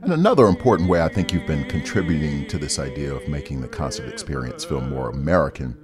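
A man's voice: extremely low pitch, animated, fast talker, over music. A man interviewing a singer, asking curious, conversational questions.

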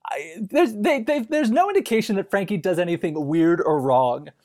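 A woman's voice: fairly low pitch, expressive, moderate pace, darkish tone. A woman casually discussing a film as a podcast co-host, speaking in an emphatic, wry, amused way.

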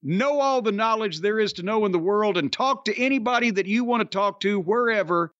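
An older podcast host with a Southern American accent rambles in casual chat and a comic ad read, profane and sarcastic. His high-pitched voice is expressive, a bit bright and a little fast, with no room sound on dry, slightly dull audio.

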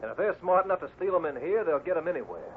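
A man's voice: on the high side, animated, racing. An actor playing a stern, fatherly cowboy ranch foreman with a folksy, commanding way of talking in a 1950s radio Western. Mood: determined, commanding. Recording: tinny, noisy old radio recording.

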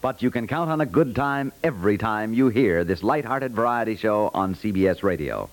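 A man's voice: lowish voice, animated, normal speed. A male American announcer reading a scripted 1950s radio promotion.

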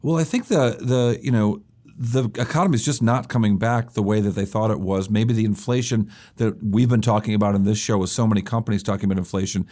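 A man hosting a business news podcast, explaining stock and economic stories briskly with occasional fillers. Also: lowish voice, dark tone. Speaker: podcast host.

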